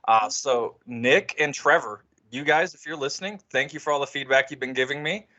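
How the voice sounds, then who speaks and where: A man's voice: mid-range voice, brisk, pushed and bright. A man chatting casually as a player on a podcast, recorded on a slightly lo-fi mic. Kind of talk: casual chat.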